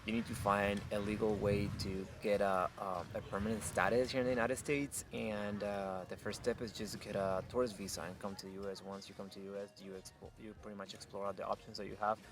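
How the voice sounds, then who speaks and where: Low-voiced man from Honduras. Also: little pitch movement, fast, hardly any pauses, music in the background. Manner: thoughtful, searching for words with fillers. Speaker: interview guest. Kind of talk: casual interview chat.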